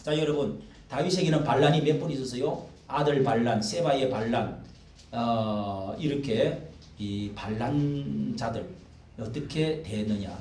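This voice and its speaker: An older man preaching a sermon as pastor, talking in a folksy, animated way and acting out the quotes he reads. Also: mid-range voice, a little slow. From South Korea. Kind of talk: expository sermon. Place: church hall. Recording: echoey room, mic at a distance.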